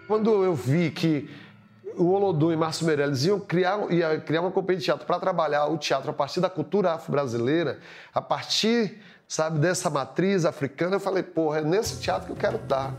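A man's voice: on the high side, a little fast. A man, a theater actor, speaking passionately and bluntly in a documentary interview. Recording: documentary clip with faint music.

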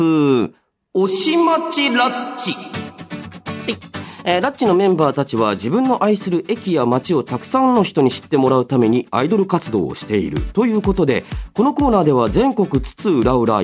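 A man in his thirties hosting a radio show solo, reading listener mail and musing aloud in a polite but casual way. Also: high-pitched.

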